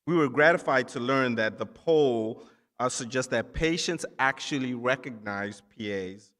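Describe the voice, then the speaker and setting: Speaking from the stage of a big indoor hall, a male keynote speaker who grew up in Nigeria and works as a physician assistant rallies students at a ceremony. His mid-pitched voice delivers forceful phrases with short pauses in between, against a long, slightly bright hall reverb.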